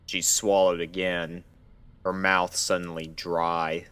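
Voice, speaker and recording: A man narrates a story from a script. His voice sits low and he takes his time, reading at a slow, measured pace. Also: level tone, a bit bright, clear, resonant tone. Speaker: narrator of a fan fiction reading.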